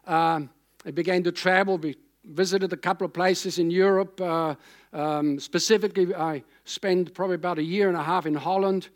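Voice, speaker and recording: High-pitched pastor in his sixties, preaching. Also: steady tone, moderate pace. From Austria. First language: German. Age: 60s. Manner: conversational, rambling, with emphatic repetition. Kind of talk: sermon.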